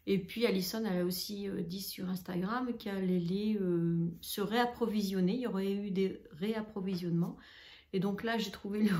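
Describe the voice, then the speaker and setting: A woman vlogger casually walks through her sewing purchases, enthusiastic and full of hesitant pauses. Her voice sits at an ordinary middle pitch. The recording has a noticeably roomy echo. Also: a little mellow. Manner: chatty, enthusiastic, many filler pauses. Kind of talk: casual haul vlog.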